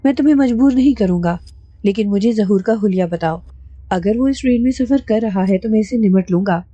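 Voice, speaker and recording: A hot-tempered young husband presses his point firmly and insistently, as a woman storyteller gives him voice. The tone stays mellow and the recording is close and dry. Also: medium pitch, no echo, muffled recording, natural voice. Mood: stern. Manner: firm and insistent.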